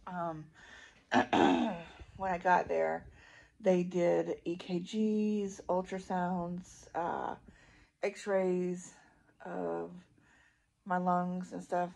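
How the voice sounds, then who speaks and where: A middle-aged woman with a husky, creaky voice chatting casually and ramblingly to her phone from a hospital bed. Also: fairly low pitch, darkish tone. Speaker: vlogger. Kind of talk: casual chat to camera. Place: small hospital room, lying in bed. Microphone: phone at arm's length.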